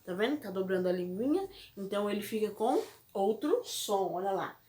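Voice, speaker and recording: A woman's voice: medium pitch, animated, moderate pace, warm tone. A Brazilian woman teaching a primary school lesson, speaking patiently and checking in with the children often. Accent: Brazilian Portuguese. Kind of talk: recorded classroom lesson. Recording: echoey room.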